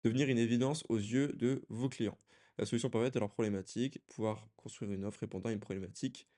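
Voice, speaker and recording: A man's voice: mid-range voice, fairly even intonation, fast talker, mellow. A young man coaching freelancers in a loose, conversational talking-head lesson, often restarting his sentences.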